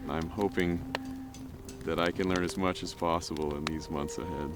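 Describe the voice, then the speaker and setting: A man's voice: low voice, fairly even intonation, moderate pace, heavy background noise. A man in his twenties, speaking earnestly and plainly in a documentary interview. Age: 20s.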